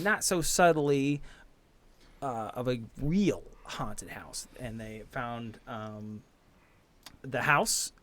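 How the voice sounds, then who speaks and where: A man acting as game master, casually recapping a tabletop story in a halting, hesitant way. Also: medium pitch, fairly bright tone, clean tone, dry recording.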